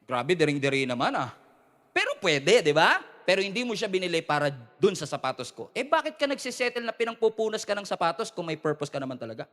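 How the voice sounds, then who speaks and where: A man preaching a lively sermon to his church. He mixes Tagalog and English, jokes with the crowd and calls for amens. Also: high voice, fast, few pauses. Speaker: pastor. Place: large church hall with a live congregation. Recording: long hall reverb from a church.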